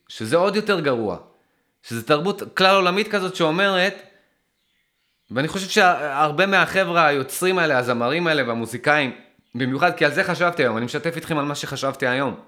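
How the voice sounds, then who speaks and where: A man from Israel talking to his viewers in a casual, rambling monologue, often stopping and restarting as he thinks aloud, and getting emphatic. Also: fairly high pitch. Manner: animated and emphatic.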